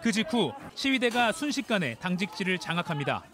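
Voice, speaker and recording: A man narrating a scripted news report in a steady, formal, descriptive way. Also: high voice, fairly quick, over loud music.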